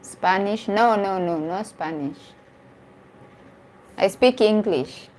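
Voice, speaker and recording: A woman in her 40s works as a dating coach on a casual live stream, speaking earnestly to viewers, reacting to their comments, and often restarting or repeating a phrase for emphasis. Her medium-pitched voice is slow and a little mellow. The low-quality recording carries a slight hiss or hum.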